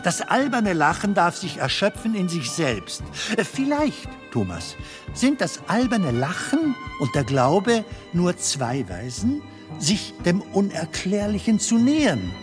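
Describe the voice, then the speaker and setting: An actor playing a playful comedian who philosophizes in a German audio drama, halting and repeating words as he muses. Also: sits high, wildly swooping pitch, music in the background, full character voice. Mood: earnest, musing.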